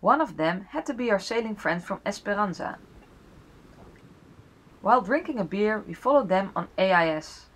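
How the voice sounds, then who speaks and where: Steady female sailing vlog narrator. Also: mid-range voice, normal speed, pauses often, a little hiss or hum. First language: Dutch. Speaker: vlogger narrating a sailing trip. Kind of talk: voice-over narration.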